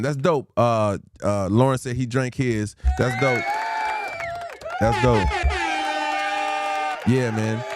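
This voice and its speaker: A man hosting a casual livestream talk show, playful and chatty with his guest and viewers, now and then breaking into a quick rhyme. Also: lowish voice, darkish tone, dry recording, clean studio sound. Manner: playful, hypes the audience, drops into quick freestyle rhymes. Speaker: livestream host.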